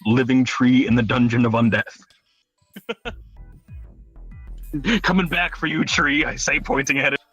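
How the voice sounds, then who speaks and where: Male tabletop player, casual but playfully dramatic banter, lo-fi audio with soft music behind. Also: mid-range voice, steady tone, a little slow, long pauses, no room sound. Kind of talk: casual in-character role-play banter. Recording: dull lo-fi audio with background music.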